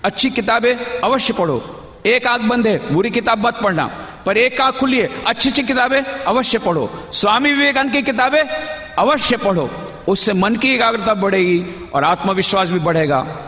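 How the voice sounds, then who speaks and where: A man's voice: high voice, moderate pace, sharp tone. A man, a monk, giving a teacherly talk to a youth gathering, asking the audience questions and repeating key phrases. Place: large hall at a convention. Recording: echoey hall with long reverb.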